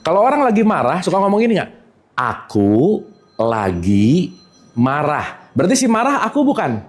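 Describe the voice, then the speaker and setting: A man's voice: high-pitched, very fast. A man giving an informal spiritual lecture to a live audience, quizzing them as he goes. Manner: lively, keeps quizzing the audience. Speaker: religious teacher.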